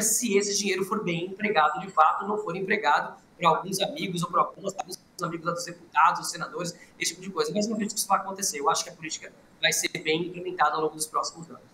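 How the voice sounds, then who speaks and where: A man in his forties talks fast on a video call, with a bright, lively voice and quick restarts. He sits in a room with blinds behind him, and his voice carries a clear roomy echo with a faint background hum. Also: high voice. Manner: quick, energetic explanation with restarts. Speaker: economist interviewed as guest. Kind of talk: live remote news interview.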